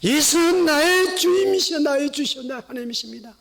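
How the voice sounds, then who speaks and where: A middle-aged male pastor preaching an impassioned sermon, swinging from hushed tones to shouts. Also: very high-pitched, expressive, brisk, creaky.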